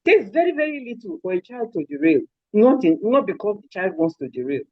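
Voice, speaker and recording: A mother and grandmother from Lagos, an older woman with a Nigerian accent, is the guest on a live interview, talking about how she raised her children. She is very animated, medium-pitched and fairly quick, stating things firmly and emphatically and repeating points with force. The audio is dull with no room sound.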